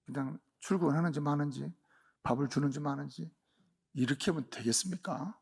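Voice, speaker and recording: A male pastor delivers a sermon in a somewhat high voice with a gravelly, husky edge. He preaches emphatically, pressing some lines loudly and dropping others low. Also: a little fast. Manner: emphatic preaching, swings from loud to hushed.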